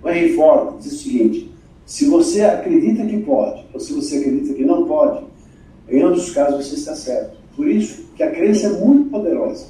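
A man hosting a podcast interview as a communication coach, talking in an animated, emphatic way and acting out quoted voices. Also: on the high side, fairly quick. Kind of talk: conversational interview, teaching with examples. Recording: very echoey room, distant mic.

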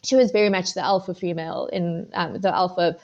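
Middle-aged South African woman, low voice. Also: steady tone, a little fast, a little mellow, muffled recording. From Zimbabwe and South Africa. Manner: rambling, many ums and restarts. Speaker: podcast guest, food photographer. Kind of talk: relaxed interview answers.

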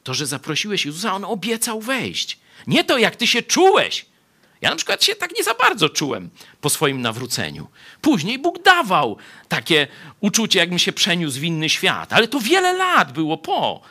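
A man's voice: high-pitched, normal speed, husky. A male pastor giving a conversational sermon, often tagging his sentences with a questioning "nie?". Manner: conversational, frequent tag "nie?"; lively, swings between soft asides and raised emphasis. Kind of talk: sermon Bible study.

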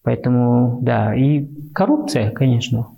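An interview guest from Uzbekistan explains things conversationally in a halting, thoughtful manner, his Russian carrying a Central Asian accent. His medium-pitched voice is expressive and creaky, and the highs are cut off.

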